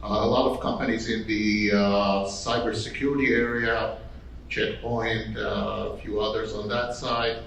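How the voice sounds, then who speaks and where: A man from Israel speaking on a conference panel, halting with many fillers. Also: fairly low pitch, level tone, gravelly, a bit bright, slight background noise. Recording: echoey hall, distant mic.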